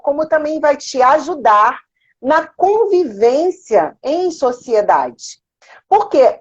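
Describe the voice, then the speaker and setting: Brazilian woman teaching, high-pitched and muffled. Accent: Brazilian Portuguese. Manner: didactic, rhetorical questions, everyday examples. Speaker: psychoanalysis teacher. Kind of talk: explanatory online lesson.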